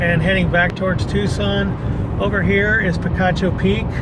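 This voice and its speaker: The voice belongs to a man. Loud background noise surrounds a dry sound with no echo. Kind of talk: casual travel narration. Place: car. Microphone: phone near.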